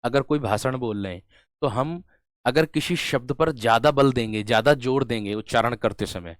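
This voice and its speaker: A young adult man teaching an exam-prep lesson, repeating key terms and dictating notes, moving between loud emphatic bursts and quiet dictation, and calling his students friends. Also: medium pitch, dry recording, studio quality. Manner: repeats key terms, drills phrases slowly, checks in with students. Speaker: Hindi teacher.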